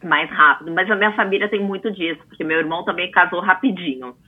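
A Brazilian woman in her forties, a guest in an interview, chatting in a lively way with many asides. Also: lowish voice, fast talker, a loud crowd. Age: 40s. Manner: chatty, animated storyteller with frequent asides. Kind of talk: casual interview talk. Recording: tinny phone-like line.

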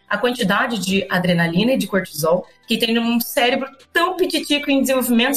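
Woman educator, bright storyteller, pitched a touch high, faint music under. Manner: lively storyteller, acts out classroom dialogue. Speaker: parent educator and former teacher. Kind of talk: podcast interview.

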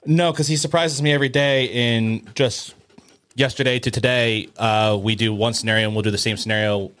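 A man's voice: mid-range voice, fairly even intonation, brisk, fairly bright tone, smooth. A man speaking plainly and concisely as a dog trainer in a casual interview. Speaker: guest, police dog trainer.

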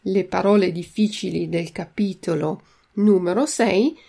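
Brief: woman narrator, gravelly voice, storybook read-aloud for learners, careful diction. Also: fairly low pitch, dark tone. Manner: slow, careful enunciation. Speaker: reader and language teacher. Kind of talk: storybook reading with vocabulary drill.

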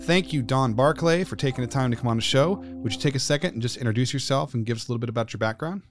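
Man, podcast host, slightly hoarse from illness, casual and rambling, music bed behind. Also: mid-range voice, fast talker. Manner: relaxed, rambling with many fillers. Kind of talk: casual podcast talk and read sponsor spot.

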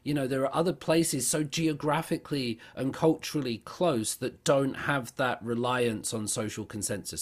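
A man from the United Kingdom hosting a casual discussion, reflective and animated, laughing easily. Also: medium pitch.

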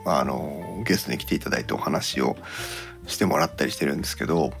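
Male podcast host, deep and gravelly, casual conversational delivery with halting explanations. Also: faint music behind.

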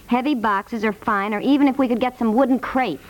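High-voiced, fretful American housewife played by an actress. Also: female voice, brisk, natural voice, low-quality recording. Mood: weary, practical. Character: busy, overworked housewife, mildly fretful and sensible. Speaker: radio actress. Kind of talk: 1950s radio comedy acting, natural domestic chat.

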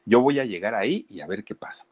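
A stubborn, proud teenage girl who only wants to sing opera, protesting indignantly, as a man with a low voice tells her story. Her pitch jumps around a lot. This is a spoken story. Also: lively intonation, fast talker, darkish tone, slightly rough, no echo. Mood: reluctant.

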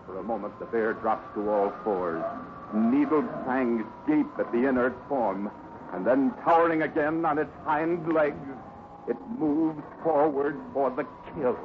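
A man's voice: medium pitch, unhurried, lightly acted. A man playing a florid, melodramatic storyteller, narrating a 1950s radio adventure. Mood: dramatic, tense. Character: urgent, dramatic adventure storyteller. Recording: muffled, very noisy 1950s radio recording.

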